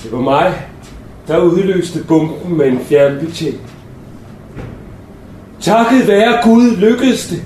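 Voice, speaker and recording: A man playing a fanatical male insurgent bomber, talking slowly and solemnly with triumph, in a roomy space with faint noise. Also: high-pitched, animated, darkish tone. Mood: gloating.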